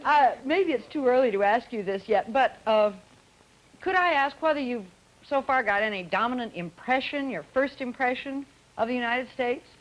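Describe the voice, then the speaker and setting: A woman moderating a student forum on an old broadcast, asking poised, brisk questions. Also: fairly high pitch, lively intonation. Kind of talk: scripted archival broadcast moderation. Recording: dull old archival broadcast audio.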